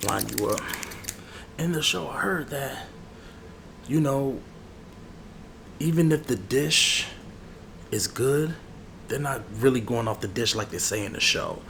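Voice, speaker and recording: A man playing an irritated, money-minded hood barber in an ASMR role-play, chatting casually and grumbling as he repeats himself. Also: medium pitch. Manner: grumbling, repeats phrases, drawn-out asides. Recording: clearly noisy background ambience.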